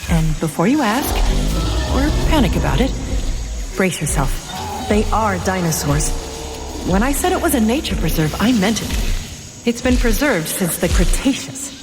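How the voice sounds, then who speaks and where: Woman playing animated, reassuring superhero mentor. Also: medium pitch, moderate pace, long pauses, over music, natural voice. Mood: urgent, instructive. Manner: explanatory, reassuring. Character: calm, reassuring female telepathic superhero mentor. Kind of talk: audio drama acting. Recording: clear outdoor jungle sound effects.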